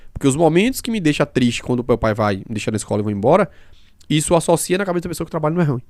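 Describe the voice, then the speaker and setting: A man talks quickly and emphatically as a podcast host, building each point with everyday examples. His voice sits a little higher than most men's, and the sound is dry and close. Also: very animated, a little mellow, no room sound. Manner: fast-talking. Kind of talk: casual podcast conversation.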